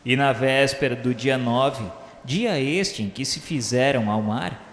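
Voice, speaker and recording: A man's voice: medium pitch, measured pace. A man with a Brazilian accent reading a solemn, literary radio novela narration in a formal, reverent, declamatory manner. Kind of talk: solemn scripted literary narration of a spiritual history. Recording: echoey reverberant hall sound, music underneath. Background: background music.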